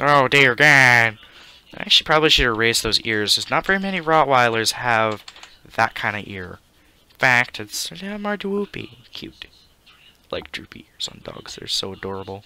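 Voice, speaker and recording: A man's medium-pitched voice at a moderate pace, with very wide pitch swings and big swings in loudness. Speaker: digital art youtuber. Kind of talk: drawing tutorial commentary. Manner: sounds shy on recordings; rambling, hesitant with fillers.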